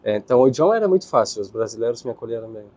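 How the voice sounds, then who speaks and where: A young man from Israel with an Israeli accent, answering interview questions in his second language, pausing and searching for words. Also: medium pitch, animated, a little mellow. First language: Hebrew. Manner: hesitant, searching for words, with restarts.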